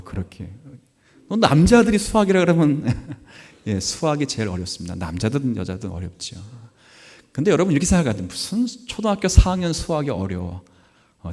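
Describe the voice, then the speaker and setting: A male pastor in his forties preaching at a Sunday church service, telling a family story with lively jumps in pitch and loudness and asking the congregation questions. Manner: animated storytelling, acts out quotes with sharp jumps in pitch and volume; asks the congregation questions and laughs along. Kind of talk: sermon.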